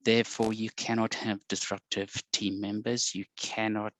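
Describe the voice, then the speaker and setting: A man in his forties with a South African accent, speaking as a guest on a video call interview in a measured, explanatory way. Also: fairly low pitch, level tone, fairly bright tone, dry recording. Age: 40s. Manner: measured, explanatory, with frequent ums and uhs.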